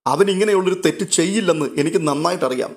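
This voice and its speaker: A middle-aged mother in tears, pleading and distraught over her son, acted out by a man reading a serial recap. The voice sits somewhat high and strains with worry. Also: racing.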